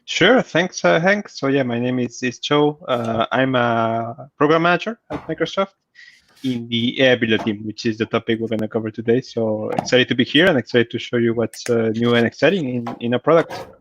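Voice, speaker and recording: A man's voice: mid-range voice, moderate pace, fairly bright tone, highs cut off, a little hiss or hum. A man speaking as a guest presenter on a video call through a headset, eager and stumbling over repeated words now and then. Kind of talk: casual tech presentation.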